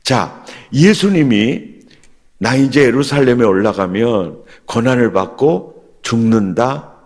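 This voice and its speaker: A man preaching a revival sermon as pastor, animated and asking the congregation questions. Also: medium pitch, slow. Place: church sanctuary. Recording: long hall reverb in church.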